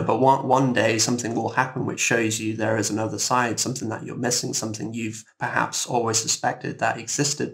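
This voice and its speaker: A man with a fairly low voice and plenty of vocal fry talks as a guest at a roundtable. His intonation stays rather even. He is reflective and halting, often doubling back on his words. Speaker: composer interviewed as a guest. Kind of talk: thoughtful roundtable discussion.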